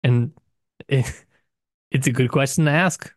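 A man with a mid-pitched voice talks through books as a podcast co-host. His delivery is casual and discursive, full of hedges and asides. The recording is dry, with little room sound. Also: slow, no echo.

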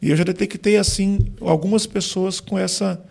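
Brazilian guy on a podcast, high voice, real gravelly and husky, explains stuff patiently. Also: steady tone, moderate pace, darkish tone. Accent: Brazilian Portuguese. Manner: explanatory, many fillers like "né" and "tipo". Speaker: gospel singer and vocal coach. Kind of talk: podcast interview.

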